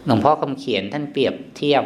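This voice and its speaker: Gentle Thai monk giving a dharma talk. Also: male voice, mid-range voice, a little hiss or hum. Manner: gentle, unhurried, many pauses and soft fillers. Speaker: meditation teacher monk. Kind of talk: dharma talk at a meditation retreat.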